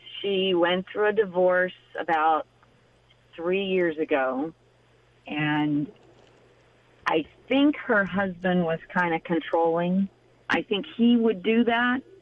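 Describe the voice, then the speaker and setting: Using lively intonation at a medium pitch, a woman speaks at a very slow pace with long, frequent pauses. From California. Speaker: caller. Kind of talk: phone call-in conversation. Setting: phone call.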